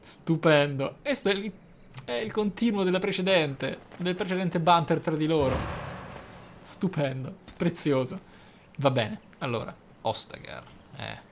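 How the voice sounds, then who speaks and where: A man's voice: fairly high pitch, animated, measured pace, a little hiss or hum. A man hosting a role-playing let's play, musing aloud with theatrical interjections. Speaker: gamer, let's play host. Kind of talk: role-playing game commentary. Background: game music.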